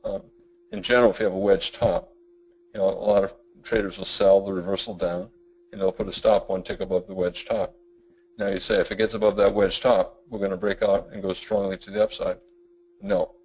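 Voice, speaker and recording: A middle-aged man with a self-described boring, monotone voice presents a trading webinar, rambling through his points with many fillers and restarts. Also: sits low, fairly quick, slight background noise, low-quality recording. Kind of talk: webinar lecture.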